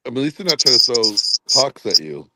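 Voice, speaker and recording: A man in his forties, hosting a casual late-night panel chat over a video call, joking and teasing deadpan. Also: mid-range voice, fast talker, background noise. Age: 40s.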